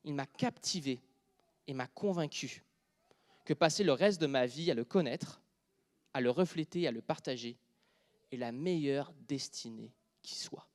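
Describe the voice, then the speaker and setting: A man with a Quebec French accent preaching a sermon, dropping to a near whisper and then joking loudly with the congregation. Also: medium pitch, measured pace, long pauses. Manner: shifts from quiet intimate speech to loud joking with the congregation.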